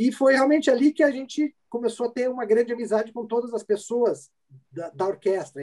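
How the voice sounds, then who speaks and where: A man's high-pitched, dark, mellow voice at a very fast pace, with a dry, close sound and no echo. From Brazil, Curitiba. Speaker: violinist. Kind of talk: interview. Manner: halting, many repetitions.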